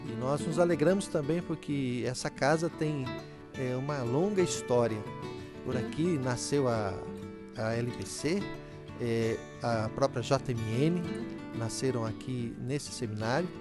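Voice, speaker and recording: A man, a seminary chaplain and pastor, addressing viewers formally with occasional filler pauses. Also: medium pitch. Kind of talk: prepared address to camera. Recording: guitar music under the voice. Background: clear guitar music.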